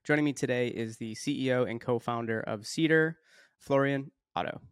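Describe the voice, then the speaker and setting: A man's voice: medium pitch, moderate pace, clean tone, no echo, clean studio sound. A man hosting a podcast, asking questions in an upbeat way and often repeating words as he frames them. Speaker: podcast host. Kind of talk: conversational podcast interview.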